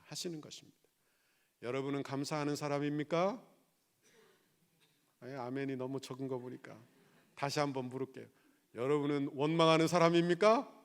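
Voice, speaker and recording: A man's voice: on the high side, moderate pace, pauses often, clean tone. A male pastor preaching a sermon, asking the congregation questions and rising to emphatic exclamations.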